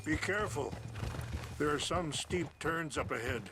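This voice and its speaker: An actor playing a dignified, calm middle-aged tribal leader in a video game, speaking in a measured, formal and gentle way. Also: male voice, a little high, heavy background noise, close to an everyday voice. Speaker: tribal chief. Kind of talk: video game cutscene dialogue. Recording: orchestral game score behind.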